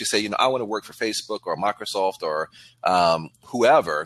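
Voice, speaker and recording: In an American accent, a man with a plain, everyday voice talks at a fairly quick pace with lively intonation, the sound dry and close with no echo against a quiet background. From Texas, Wichita Falls. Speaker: tech project manager. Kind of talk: interview.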